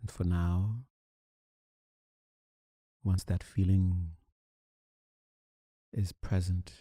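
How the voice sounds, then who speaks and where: A man leading a guided meditation as a teacher, speaking calmly and soothingly with long, deliberate pauses. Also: deep voice, breathy edge, no echo, studio quality.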